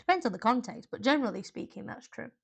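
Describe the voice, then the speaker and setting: A woman's voice: a little high, expressive, quick pace, vocal fry, breathy edge. A woman teaching an exam class in a chatty, informal live online lesson, with frequent fillers and asides.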